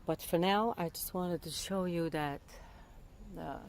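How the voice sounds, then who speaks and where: There's a slight hiss or hum behind this low-ish female voice talking at a measured pace. She's a native French speaker from Montreal with a Québécois accent, casually vlogging about building out a van and frequently rephrasing as she hunts for words.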